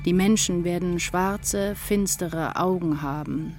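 A woman's voice: fairly low pitch, slow pace, a little mellow. An actress playing an anguished woman writer in a literary radio drama, intense and introspective in a poetic delivery. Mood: desolate. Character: anguished, brooding woman writer losing her sense of self.

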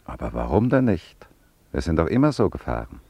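A man playing a calm, loyal French family friend in a German radio drama, speaking in a measured, consoling way. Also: low voice, gravelly, breathy edge, dry recording, highs cut off, full character voice. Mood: grave.

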